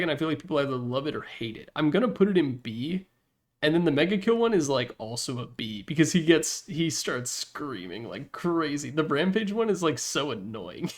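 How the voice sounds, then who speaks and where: A man giving casual, rambling ranking commentary in a blunt, sweary, candid manner, recorded in his room on a desktop microphone. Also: on the high side. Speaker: host ranking game announcer packs. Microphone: Yeti desktop microphone.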